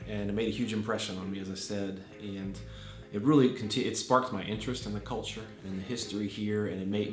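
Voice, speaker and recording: A man in his thirties from Virginia with an American accent, an English teacher giving earnest, thoughtful interview answers full of small fillers and restarts. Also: on the low side. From Virginia, USA. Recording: echoey room with faint music.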